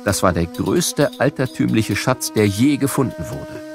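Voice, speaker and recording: A man narrating a scripted educational audio programme for children in a measured, explanatory way. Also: lowish voice, animated, over music.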